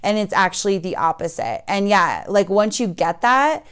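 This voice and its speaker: A woman with a slightly hoarse voice, hosting a casual, informal podcast chat. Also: mid-range voice, big pitch swings, normal speed, a bit bright. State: slightly hoarse from screaming and talking. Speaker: podcast host.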